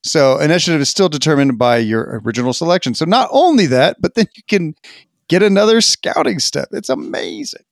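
A man co-hosting a casual gaming podcast, talking in an animated, sarcastic way. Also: on the high side, a little fast, creaky, dry recording, clean studio sound. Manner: animated, sarcastic, swings loud and quiet. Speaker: podcast co-host.

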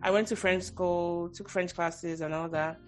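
A woman's voice: lowish voice, steady tone, unhurried, soft background music. A woman with a Nigerian accent hosting a podcast interview, talking in long rambling thoughts that restart often. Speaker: podcast host. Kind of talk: casual interview chat.

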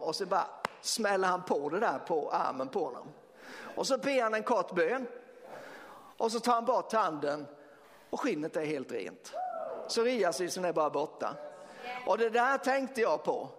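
A man preaching as pastor, telling a story in a lively way with fillers and laughter. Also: high voice. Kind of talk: sermon storytelling. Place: church hall. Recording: long church reverb.

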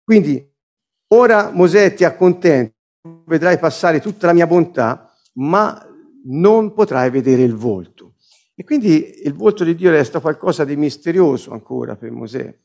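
A man with a notably high voice delivers a sermon. He works through scripture phrase by phrase, pausing to restate and explain each word. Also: lively intonation, gravelly, a little mellow. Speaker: preacher.

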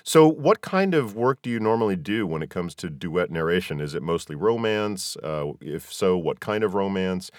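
A man's voice: low voice, no room sound, studio quality. A man hosting a podcast, putting questions to guests in a conversational way. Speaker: podcast host, interviewer. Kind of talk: conversational interviewing.

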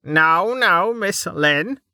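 A narrator playing a bickering male guard at the end of his patience, scornful and condescending. The voice sits clearly higher than the narration and swings widely. Close, dry recording. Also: sing-song, slow pace, fairly bright tone, no echo. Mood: patronizing. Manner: insulting, exasperated, patronizing.

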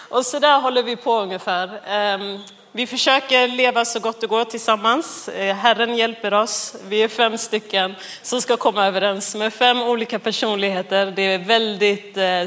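A woman's voice: fairly high pitch, a bit bright. A woman in her thirties gives a guest sermon, opening with a self-mocking family story. She laughs often and acts out both sides of the conversation, keeping it chatty before turning to scripture. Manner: acts out quoted dialogue. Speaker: guest preacher. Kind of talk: sermon with personal anecdote.

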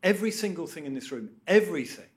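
A man arguing on a debate panel, stressing words with sudden loud bursts. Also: fairly high pitch, animated, fast. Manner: emphatic, swings sharply in loudness for stress. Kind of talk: debate argument.

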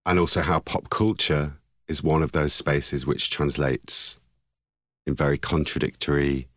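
A man in his forties with a very deep, low voice talks through his artistic past in an interview. He is reflective and searching, pausing and restarting as he finds his words. The sound is dry and close. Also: fairly even intonation, a bit bright, no room sound. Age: 40s. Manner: thoughtful, searching, with pauses and restarts. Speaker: artist guest.

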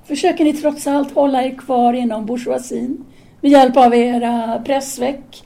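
Actress doing a brooding parisian intellectual woman, soft mellow voice, formal and earnest, radio drama style. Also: high-pitched, steady tone, gravelly. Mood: admiring, teasing. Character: Castor, intellectual Parisian woman, candid, brooding, devoted lover. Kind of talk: audio drama acting, formal literary dialogue.

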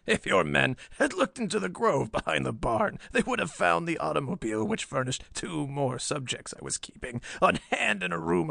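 A man's voice: a little high, vocal fry, sharp tone, no room sound, exaggerated voice. A man acting out a crazed, snarling old professor. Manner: snarling, sly, theatrical. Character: crazed, sullen old male professor, villainous mad scientist. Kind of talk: dramatized pulp story reading.

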